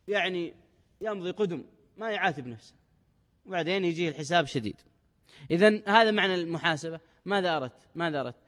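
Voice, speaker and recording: Fast, high-voiced teacher in a hall. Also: male voice, fairly bright tone. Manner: reads quotes in formal Arabic with raised emphasis, then explains in dialect. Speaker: religious teacher. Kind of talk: religious lesson explaining old texts. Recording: long hall reverb.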